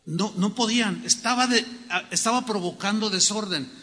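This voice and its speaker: A man with a Mexican accent preaching a sermon to his congregation, telling stories in a humorous, animated way. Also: high voice, normal speed, long reverb tail. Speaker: pastor. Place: church hall.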